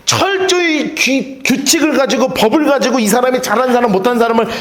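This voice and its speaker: A male pastor preaching a sermon in a church. He shifts between loud emphasis and hushed storytelling, and he has the congregation repeat phrases after him. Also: extremely high pitch, quick pace. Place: church sanctuary. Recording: echoey church sanctuary.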